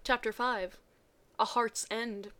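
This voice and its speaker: Woman with a highish voice doing a dramatic story read, joking asides poking fun at it. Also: steady tone, takes it slowly, sharp tone. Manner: playful, mocking asides at the text's errors. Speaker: reader of fan fiction.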